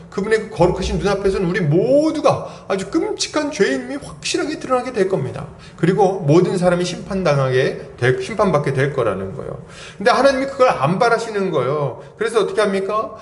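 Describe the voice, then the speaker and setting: A pastor in his forties preaching a sermon, asking his congregation lively rhetorical questions. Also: on the high side. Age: 40s. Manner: animated, asks the congregation many rhetorical questions. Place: church sanctuary. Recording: roomy church echo, faint background hum.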